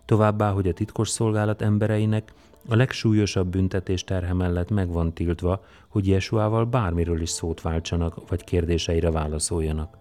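A man narrating an audiobook in a measured, even manner. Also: low voice. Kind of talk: scripted narration.

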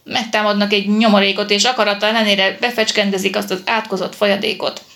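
A woman's voice: medium pitch, level tone, vocal fry, a bit bright. A woman voicing a weary old captain. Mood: bitter. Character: old male police captain, calm, weary.

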